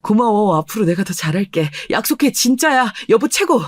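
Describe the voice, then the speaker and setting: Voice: medium pitch, very animated, moderate pace, no echo, clean studio sound. Voice actor playing an eager humble husband. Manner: eager, earnest and deferential. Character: grateful humble husband in his thirties. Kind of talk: dramatized radio story dialogue.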